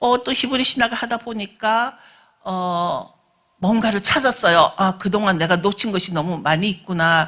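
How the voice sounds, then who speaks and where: A woman's bright, sharp tone at medium pitch, with lively intonation and a moderate pace. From South Korea, Busan. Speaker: pastor. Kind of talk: sermon.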